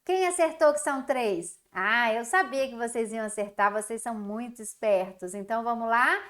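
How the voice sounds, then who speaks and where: A woman's voice: a little high, normal speed, a bit bright. A Brazilian woman teaching young children in a recorded class, stretching out syllables in a sing-song, encouraging way. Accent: Brazilian Portuguese. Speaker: primary school teacher.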